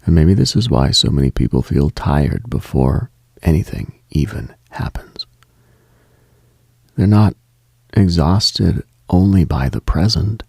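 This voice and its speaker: A man hosting a late-night radio show, speaking a slow reflective monologue in a hushed, half-whispered delivery. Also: deep voice, lively intonation, vocal fry, slightly rough, dry recording, studio quality.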